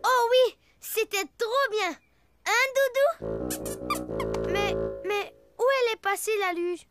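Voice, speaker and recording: A woman voicing a cheerful little boy penguin in a children's cartoon, bright and playful. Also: extremely high pitch, slow, over loud music. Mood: excited. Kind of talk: cartoon voice acting.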